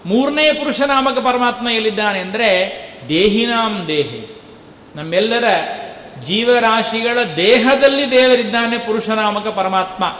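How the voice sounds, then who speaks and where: A man's voice: sits high, a bit bright. A man giving a devotional discourse who recites verses and then explains them, asking his listeners rhetorical questions. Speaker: religious discourse speaker. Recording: echoey hall with faint noise.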